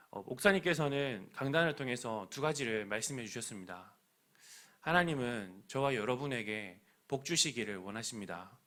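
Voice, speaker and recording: A man's voice: mid-range voice, a bit bright. Guy preaching a sermon, mid voice, fervent and prayerful.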